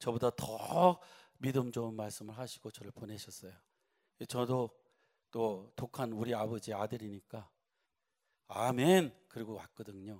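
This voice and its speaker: Long, frequent pauses break up a man's fairly slow speech, and his loudness swings widely. He speaks at medium pitch with ordinary pitch variation. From Brazil (Korean immigrant community, São Paulo). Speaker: pastor. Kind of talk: sermon. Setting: church revival meeting with audience.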